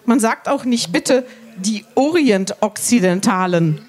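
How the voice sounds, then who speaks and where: A woman from Cologne co-presenting a limerick reading, making brisk remarks and reading verses aloud. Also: mid-range voice, expressive, darkish tone. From Cologne, Germany.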